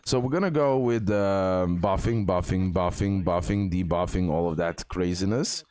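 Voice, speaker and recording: A man giving casual, excitable gameplay commentary, repeating words and talking straight to his viewers. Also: sits low, moderate pace, clear, resonant tone, no room sound. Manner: excitable, repetitive, addresses viewers directly. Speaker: gaming content creator, host. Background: music.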